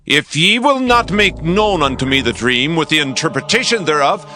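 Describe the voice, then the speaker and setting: A man's voice: a little high, big pitch swings, normal speed, bright, forceful tone, soft background music. A man playing an imperious, threatening ancient king in a dramatized scripture reading, with commanding, declamatory delivery. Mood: stern, threatening.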